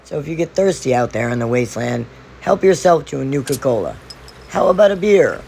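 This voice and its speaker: Gravelly, hoarse-voiced man explaining with gusto. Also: mid-range voice, fairly quick, noisy background. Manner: animated, playful storytelling. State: hoarse, losing his voice. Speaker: video host. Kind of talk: explainer vlog narration.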